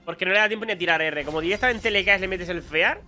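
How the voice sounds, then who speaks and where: A high-pitched, very bright and sharp male voice, talking through a match in quick, excitable bursts and taunting the enemies. Faint music plays underneath. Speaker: gaming YouTuber. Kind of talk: live gameplay commentary.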